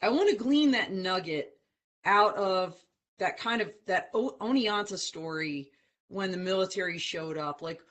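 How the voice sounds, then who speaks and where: A man's voice: high-pitched, unhurried, a bit bright. A man hosting a podcast interview, who asks questions casually and encourages his guest. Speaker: podcast host.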